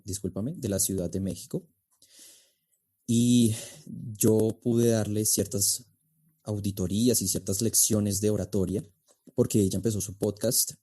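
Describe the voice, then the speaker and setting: A man's voice: on the low side, warm tone. A man explaining things conversationally as an expert guest, in a didactic, emphatic way. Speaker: interview guest, speech and oratory coach.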